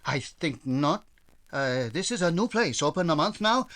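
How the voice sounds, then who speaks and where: An actor playing a courteous, obliging restaurant owner in 1940s radio drama style, with hesitant, formal phrasing. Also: male voice, fairly high pitch, expressive, moderate pace, fairly bright tone. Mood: polite, obliging.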